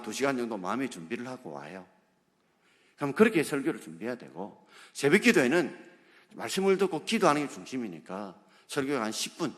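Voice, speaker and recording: A pastor delivers a sermon in a lively, swooping style, pushing his points with questions aimed at the congregation. His medium-pitched voice rings through a church sanctuary with long reverb.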